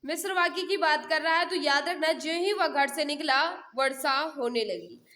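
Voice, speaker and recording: A woman with a notably high voice leads a live exam prep lesson. She reads questions and answers aloud, repeats key points, and keeps prompting her students to respond. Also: normal speed, bright, forceful tone, roomy sound. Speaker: exam prep teacher hosting a live class.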